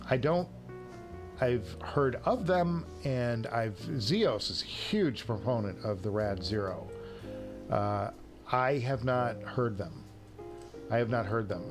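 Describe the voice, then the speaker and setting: A man hosts a casual live show with music clearly behind him. His voice sits at an ordinary middle pitch, and he talks off the cuff to his viewers in a joking, self-deprecating way. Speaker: livestream show host. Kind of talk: casual chat answering viewers' live comments.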